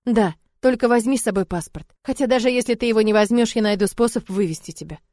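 A woman voicing a tender, determined young man who speaks calmly and firmly to reassure. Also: a little high, fast talker, dry recording, studio quality, close to an everyday voice. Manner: calm, firm, reassuring.

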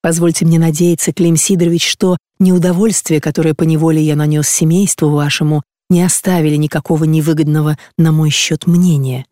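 A reader voicing a formal, earnest young gentleman suitor in an audiobook, speaking with polite courtesy. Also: fairly high pitch, level tone, a little fast, hardly any pauses, dry recording, clean studio sound, natural voice.

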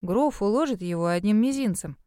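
A woman's voice: mid-range voice, animated, fairly quick, mellow, clear, resonant tone, no echo, natural voice. A woman voicing the heroine's blunt friend, who grumbles in a dry, scornful way. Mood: grumbling.

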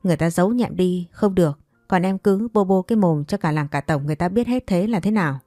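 A woman's voice: lowish voice, fast, dark tone, no room sound, clean studio sound, faint music behind, natural voice. Woman voicing a stern scolding man. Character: scolding middle-aged man, secret lover.

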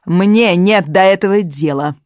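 An audiobook reader voicing a theatrical, self-pitying older woman who speaks loudly and drags out her complaints. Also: mid-range voice, dry recording, studio quality, natural voice. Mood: bitter, indignant. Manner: melodramatic, loud and drawn-out.

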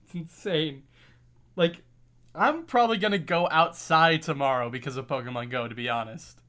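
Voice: mid-range voice, normal speed, a bit bright. A young adult in a casual chat, arguing points and reasoning things out.

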